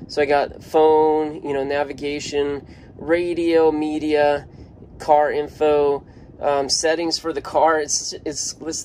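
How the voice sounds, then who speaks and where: A man's voice: fairly high pitch, darkish tone, a little hiss or hum. A man chatting offhandedly as he shows around a van, filming on a handheld phone. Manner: chatty, offhand, thinking aloud. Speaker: vlogger. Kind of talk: casual walkaround video. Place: inside a parked van.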